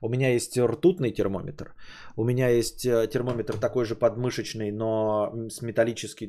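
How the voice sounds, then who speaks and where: A man in his late thirties, hosting a casual stream and chatting with his audience in a rambling, opinionated way, with lots of fillers and pitch that jumps up when he gets indignant. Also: mellow. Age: 30s. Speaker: podcast host streaming. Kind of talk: casual stream chat reading donations.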